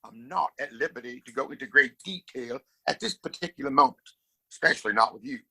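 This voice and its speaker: A man's voice: mid-range voice, expressive, fairly quick, gravelly, sharp tone, slightly rough, full character voice. A man playing a domineering, scornful wealthy father and town boss in a Western audio play, condescending and commanding. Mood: haughty.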